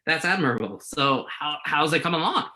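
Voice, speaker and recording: A man acting in a play reading as a blunt yet apologetic magazine journalist, speaking a little haltingly. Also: fairly high pitch, expressive, bright, forceful tone, low-quality recording. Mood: warming. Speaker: actor in a virtual staged reading.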